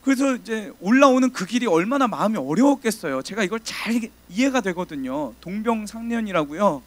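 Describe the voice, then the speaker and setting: A man, a junior preacher, giving a storytelling sermon in a church, acting out the voices he quotes and swinging from hushed to loud. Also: high-pitched, lively intonation, a little fast, dry recording, poor audio. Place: church sanctuary.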